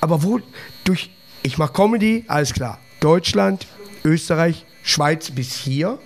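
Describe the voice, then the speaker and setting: A man's voice: a little high, expressive, unhurried. A man, a comedian hosting a casual chat who rambles and jokes at his own expense. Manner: rambling, jokey, self-mocking. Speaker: podcast host and comedian.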